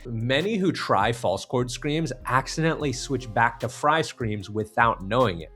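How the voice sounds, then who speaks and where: A man working as a vocal coach, giving step-by-step tutorial instruction and speaking directly to the viewer. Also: medium pitch. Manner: demonstrates exercises step by step, direct address.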